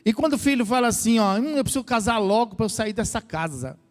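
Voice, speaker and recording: A man's voice: sits high, animated, fast talker, soft background music. A Brazilian man, a pastor, preaching a sermon to his church, asking the congregation questions and acting out what people say. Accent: Brazilian Portuguese. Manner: asks the congregation questions, acts out quoted voices. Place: church hall. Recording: long church reverb.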